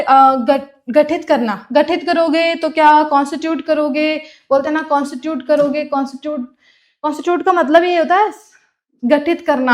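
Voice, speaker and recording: A woman teaching for a clerk exam, explaining terms by repeating them and asking and answering her own questions. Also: high-pitched. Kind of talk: classroom lecture.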